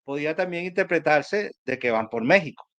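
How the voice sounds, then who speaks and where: Emphatic higher-voiced man with Venezuelan accent. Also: expressive, brisk, fairly bright tone, dry recording, highs cut off. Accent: Venezuelan Spanish. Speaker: political analyst. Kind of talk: animated political discussion, conversational.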